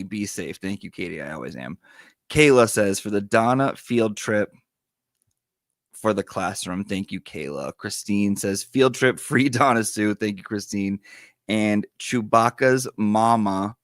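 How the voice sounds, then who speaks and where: A man's voice: lowish voice, a bit bright, no room sound, studio quality. A man with whistling s sounds, chatting casually as a livestream host and reading out viewer messages.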